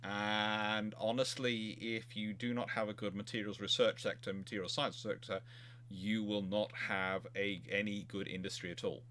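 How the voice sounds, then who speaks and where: A man hosting an informal expert chat, answering questions in a halting way with frequent restarts. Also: on the low side, level tone, fairly bright tone. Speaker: host of a naval history live chat.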